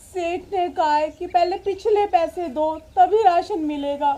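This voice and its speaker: Lady acting poor despairing mom in a family drama, super high voice, pleading and lamenting. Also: measured pace, dark tone. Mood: tearful, despairing. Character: poor, despairing mother, long-suffering battered wife. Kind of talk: melodramatic Hindi drama acting.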